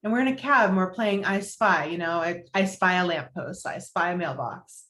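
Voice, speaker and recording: A woman's voice: fairly low pitch, normal speed, a bit bright, lightly acted. Actress playing an earnest, newly single New York woman. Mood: earnest, confessional. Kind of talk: table read of romantic comedy film script. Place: indoors, virtual video-call table read.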